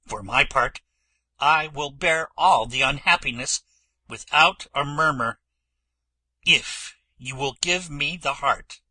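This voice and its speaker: A man voicing a measured, earnest tin woodman. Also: fairly high pitch, sharp tone, no room sound, heavily acted, low-quality recording. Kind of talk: dramatized audiobook reading.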